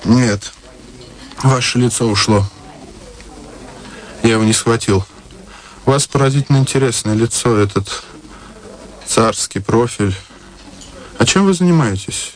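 An actor playing a passionate, restless young male painter in a radio play, speaking haltingly and repeating words. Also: mid-range voice, lightly acted, poor audio. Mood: eager, fascinated. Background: music.

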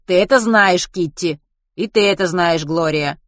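A woman's voice: on the low side, unhurried, a bit bright, no room sound, clean studio sound. A woman voicing an easygoing, kindly housewife with a casual, unbothered manner in an audiobook story.

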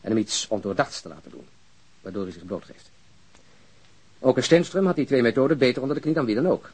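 Police detective, earnest, probing, emphatic delivery, slightly husky, crime audio drama. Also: male voice, mid-range voice, lively intonation, fairly quick, a little mellow, low-quality recording. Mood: serious, probing. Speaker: actor in a radio drama.

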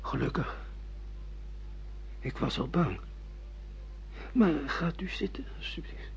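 A man's voice: a little high, big pitch swings, takes it slowly, vocal fry, a little hiss or hum, full character voice. A man acting a bewildered, sardonic middle-aged amnesiac husband in a Dutch radio play, with theatrical, ironic delivery. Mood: polite, bewildered. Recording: muffled lo-fi radio play recording.

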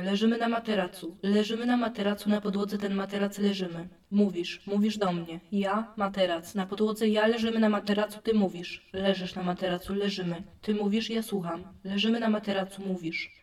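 A woman's voice: mid-range voice, steady tone, a little fast, few pauses, darkish tone, recorded from a distance. A woman giving a scripted reading of literary texts.

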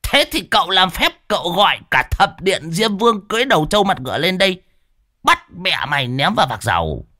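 A crude old shaman brags and cackles in a high, reedy voice, as a male narrator puts him on. His taunts are coarse and gleeful. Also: very animated, a little fast, bright, forceful tone, dry recording, clean studio sound, exaggerated voice. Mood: boastful. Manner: boastful, mocking, cackling.

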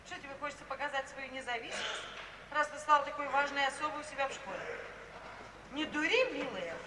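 A woman's voice: sits high, lively intonation, a little fast. An actress playing an overbearing middle-aged mother who scolds and commands in an imperious manner, in a 1950s radio play. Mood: indignant. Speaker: domineering mother. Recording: echoey distant old radio play recording with hiss.

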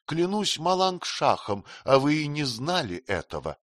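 A man's voice: on the high side, very animated, a little slow, a bit bright, dry recording, clean studio sound, pitched above the performer's own voice. A man voicing a seductive scheming queen. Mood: pleading. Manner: pleading, coquettish, intense.

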